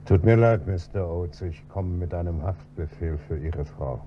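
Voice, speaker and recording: An actor playing an insistent police inspector in a German radio crime drama, questioning in a measured, pointed way. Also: male voice, low voice, lightly acted. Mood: urgent. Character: probing male police inspector, calm and insistent. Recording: dull old radio recording with faint hum.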